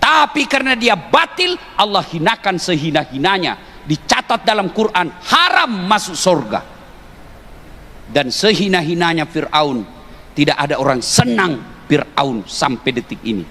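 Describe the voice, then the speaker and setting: A man preaching a humorous sermon to an audience, joking and teasing, with bursts of shouting. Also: fairly high pitch, very animated, unhurried. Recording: reverberant hall with faint noise.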